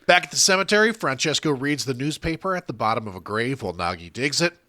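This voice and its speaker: A man's voice: mid-range voice, expressive, fast, pushed and bright, no echo. A man co-hosting a podcast, casually recapping a film's plot scene by scene with jokey asides. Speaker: podcast co-host. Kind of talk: casual chat recapping a film.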